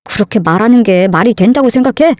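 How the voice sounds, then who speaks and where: A woman's voice: on the high side, animated, fast talker, darkish tone, no echo, close to an everyday voice. A woman voicing a condescending young husband who lectures his wife. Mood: lecturing. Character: condescending self-righteous young husband, man.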